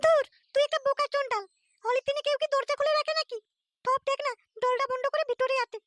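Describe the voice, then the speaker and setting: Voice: very high-pitched, steady tone, fast, a bit bright, no room sound, studio quality. A performer voicing a cheeky, foul-mouthed boy prankster in a Bengali comedy cartoon, brash, boastful and taunting. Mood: scheming. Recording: music behind the voice.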